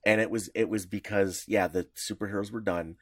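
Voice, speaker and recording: A man's voice: steady tone, brisk, fairly bright tone, no room sound, studio quality. A man co-hosting a podcast, talking casually and rambling with frequent chuckles. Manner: rambling, chuckling, pitch jumping around. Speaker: podcast co-host. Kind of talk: casual chat.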